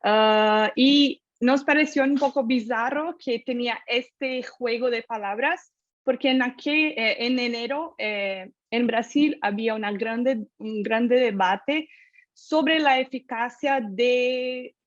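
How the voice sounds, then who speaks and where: A woman journalist gives a conference presentation in a fairly high voice with a Brazilian Portuguese accent. Her non-native Spanish is halting and self-correcting. It sounds dry and slightly dull, like an online call. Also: no room sound. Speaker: freelance journalist presenting research. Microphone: video call.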